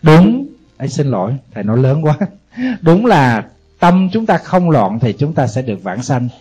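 Southern Vietnamese monk giving a sermon. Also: male voice, mid-range voice, sing-song, normal speed, a little mellow, slightly rough. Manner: conversational, asks the audience rhetorical questions. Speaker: Buddhist monk, teacher. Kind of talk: Buddhist sermon. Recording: dull lo-fi audio, faint music behind.

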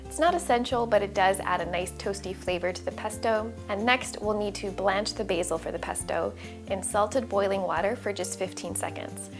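A woman in her thirties, a cooking channel host, narrating a recipe voice-over with clear step-by-step instructions. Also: medium pitch, moderate pace, over music.

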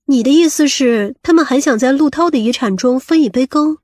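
High-voiced, sharp-tongued woman played by an actress. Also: brisk, no echo, clean studio sound, close to an everyday voice. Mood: probing. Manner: scolding, probing. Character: sharp-tongued, suspicious woman needling a man. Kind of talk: audiobook character acting.

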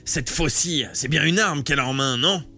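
A hostile teenage boy, as a reader puts him on, barks his lines in a loud, rough voice, slightly raised above the reader's usual pitch. He sounds blunt and distrustful throughout, in an audiobook reading. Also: fairly quick, heavily acted. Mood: aggressive. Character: aggressive suspicious teenage boy with a gun.

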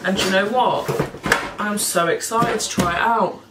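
A woman, a bit hoarse, chatting casually and rambling to camera in her kitchen, swearing and laughing now and then. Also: medium pitch, unhurried. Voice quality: a bit hoarse, froggy throat. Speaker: cleaning vlogger. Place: home kitchen, indoors. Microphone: camera in front of her at table height. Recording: echoey kitchen with background noise.

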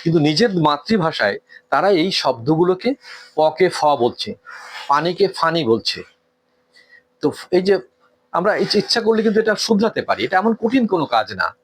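A man from Bangladesh, giving an earnest, lecturing talk on etiquette, asking rhetorical questions and pausing with frequent hesitations. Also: a little high, sing-song, breathy edge. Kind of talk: didactic talk.

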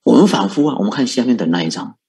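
Animated monk preaching. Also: male voice, mid-range voice. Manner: animated, rhetorical questions, frequent chuckles and drawn-out particles. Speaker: Buddhist monk teacher. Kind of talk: Buddhist dharma talk.

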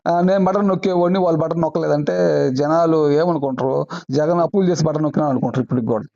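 A man's voice: on the high side, quick pace, warm tone. Man ranting over a landline phone. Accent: Prakasam district Telugu. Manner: heated, repetitive complaining. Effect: heard over a landline phone. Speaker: caller. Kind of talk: casual phone conversation. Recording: muffled phone line.

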